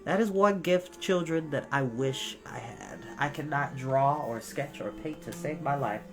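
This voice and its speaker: A low-pitched woman reads a storybook aloud as host of a storytime. Her delivery is expressive, leaning carefully on key words. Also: unhurried, over music.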